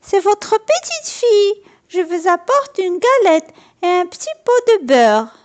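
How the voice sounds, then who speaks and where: A bright, innocent little girl in a red hood, as a woman storyteller puts her on. Her voice sits far above the teller's own and swoops freely as she exclaims. It is a storybook reading, slow and lively. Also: exaggerated voice. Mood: polite. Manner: high, wide-eyed and exclaiming.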